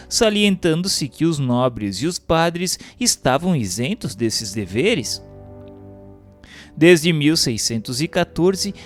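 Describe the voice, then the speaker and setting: A man with a Brazilian accent reading scripted narration in a formal, solemn, declamatory manner. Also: mid-range voice. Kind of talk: scripted audiobook-style narration of a historical religious text. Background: music.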